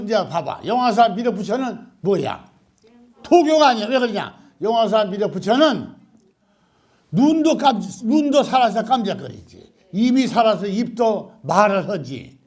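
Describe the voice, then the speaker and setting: Animated older monk preaching. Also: male voice, sits high. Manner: animated, questioning the audience, laughing. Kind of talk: Buddhist dharma talk to a congregation.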